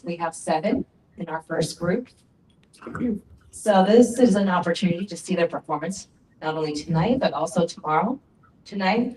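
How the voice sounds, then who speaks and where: A woman's voice: lowish voice, darkish tone. Woman, panel moderator, upbeat announcements, roomy echo, distant mic. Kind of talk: announcing and posing questions to a panel. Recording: echoey, distant.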